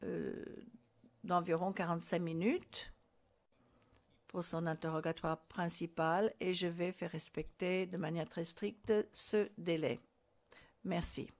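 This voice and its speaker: Slow, measured woman interpreting in court. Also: fairly low pitch, steady tone, a little mellow. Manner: slow, measured, with frequent hesitations. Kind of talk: formal courtroom procedure.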